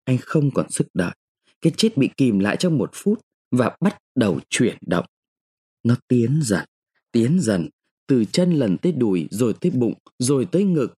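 A man's voice: medium pitch, sing-song, moderate pace, dark tone, slightly rough. A man narrating a literary short story in an emotive, dramatic reading style.

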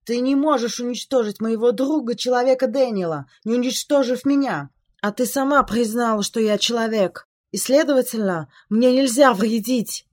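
A man voicing a frightened, commanding aristocratic woman who shouts orders shrilly. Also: extremely high pitch, normal speed, no echo, pitched above the performer's own voice. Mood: desperate.

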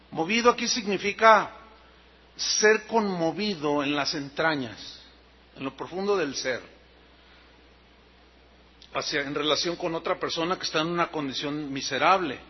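Mexican pastor preaching, high husky voice, dull lo-fi recording. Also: male voice. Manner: animated, acts out scenes, explains words. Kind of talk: sermon.

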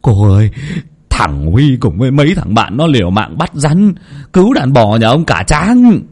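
A man voicing a panicked villager who shouts and begs for help. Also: medium pitch, very animated, moderate pace, breathy edge. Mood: frantic.

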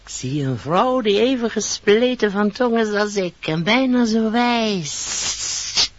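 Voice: medium pitch, expressive, slow, a little hiss or hum. An actor voicing a sly, worldly-wise snake in a radio play, talking in an insinuating way. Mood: sly, scheming. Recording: dull vintage radio recording.

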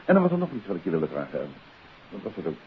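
Composed detective, tinny old radio recording. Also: male voice, low-pitched, huge pitch swings, a little hiss or hum. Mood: inquisitive. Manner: polite, measured, inquisitive. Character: composed, courteous male amateur detective, quietly probing. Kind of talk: 1950s radio detective drama acting.

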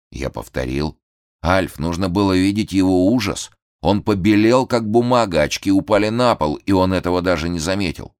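A man reading a novel aloud as an expressive audiobook narrator. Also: low-pitched, clean tone, dry recording, studio quality. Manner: expressive storytelling. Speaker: audiobook reader. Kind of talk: scripted narration.

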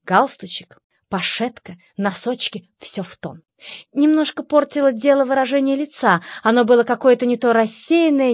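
A woman narrates a story with light, wry irony. Her voice sits fairly high. The recording is dry, close and slightly muffled. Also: no echo. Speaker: audiobook narrator. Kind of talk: scripted narration.

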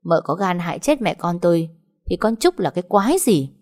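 A woman's voice: lowish voice, animated, fairly quick, darkish tone. Brief: sneering young woman, voiced by the reader, icy scorn, storybook. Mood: scornful. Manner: cold, sneering.

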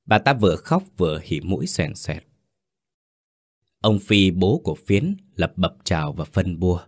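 A man reading a story in a steady, grave way. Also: deep voice, unhurried, no echo, studio quality. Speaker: narrator. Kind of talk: scripted story narration.

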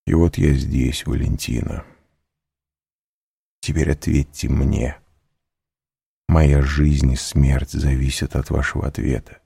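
A man's voice: rumbling low, level tone, slow pace, gravelly, pauses often, warm tone, husky, no room sound, clean studio sound, full character voice. A man reading an audiobook, voicing a young man who presses his beloved with intense, urgent speech. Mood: urging. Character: passionate young man, determined suitor.

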